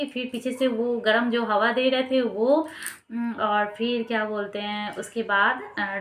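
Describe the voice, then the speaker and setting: Young woman vlogger rambling on with lots of ums, kinda high voice, echoey room. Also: fairly bright tone. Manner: rambling, many fillers and restarts. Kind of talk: casual storytelling to camera.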